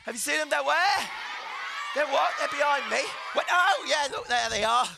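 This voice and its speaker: A man presenting a live children's science show with an excitable, theatrical manner, urging the audience to cheer. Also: very high voice, normal speed, creaky, a crowd in the background, background noise. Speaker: stage presenter. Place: live event hall with an audience. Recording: music playing behind.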